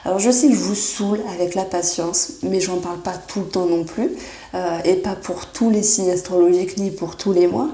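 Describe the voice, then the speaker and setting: A woman giving a monthly horoscope tarot reading, reassuring and often pausing with fillers as she searches for words. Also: fairly low pitch, steady tone, mellow. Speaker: tarot reader. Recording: echoey room.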